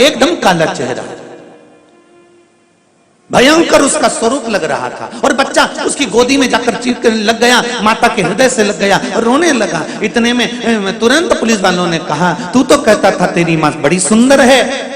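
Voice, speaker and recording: A man's voice: extremely high pitch, very animated, measured pace, crowd noise. A man telling a devotional story as a preacher, building his points through rhythmic, repeated lists. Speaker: katha preacher. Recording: echoey hall with music behind.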